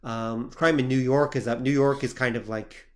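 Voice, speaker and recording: A man's voice: medium pitch, steady tone, moderate pace, a little mellow. A man co-hosting a podcast, explaining history in a casual way and steering the talk with asides. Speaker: podcast co-host.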